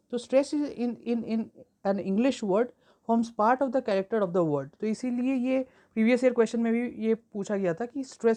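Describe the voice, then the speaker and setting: A woman teaching an exam-prep lesson, reading English textbook lines slowly and then explaining them at length. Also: medium pitch, darkish tone.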